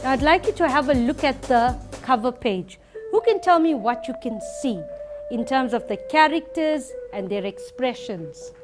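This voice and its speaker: A woman teaching a reading lesson to a class, lively and playful. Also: high-pitched, moderate pace, over music. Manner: lively, switching to a playful storyteller persona.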